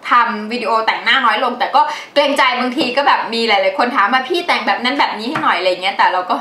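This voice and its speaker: A chatty woman with a bright, higher voice talks through her used-up products in a casual, animated way. Her voice rings around an echoey room, with a faint hiss under it. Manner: chatty, animated, laughs often. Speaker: beauty vlogger. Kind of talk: casual product review chat.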